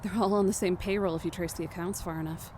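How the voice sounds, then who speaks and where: A woman's voice: fairly low pitch, steady tone, fast talker, a little mellow, lightly acted. A woman acting a weary, protective young leader of fugitives in an audio drama, with a subdued, serious delivery. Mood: weary, resigned. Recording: noisy outdoor ambience bed.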